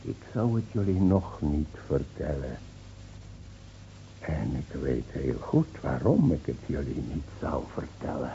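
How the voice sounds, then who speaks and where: An actor in a Dutch radio play playing a mocking, defiant old village drunk who foretells doom with theatrical scorn. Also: male voice, rumbling low, big pitch swings, measured pace, creaky, warm tone, highs cut off, slight background noise, heavily acted. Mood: defiant, scornful. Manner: taunting, theatrical, scornfully laughing.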